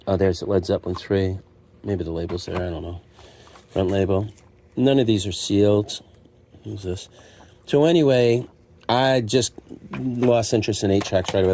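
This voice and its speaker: A man's voice: fairly low pitch, moderate pace, long pauses, dark tone. A middle-aged man chatting casually and rambling along in a conversational, self-deprecating way, like a shop owner talking to viewers. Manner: conversational, self-deprecating, acts out imagined remarks. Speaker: secondhand store owner showing stock. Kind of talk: casual, rambling chat to camera. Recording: clear background noise with clicks.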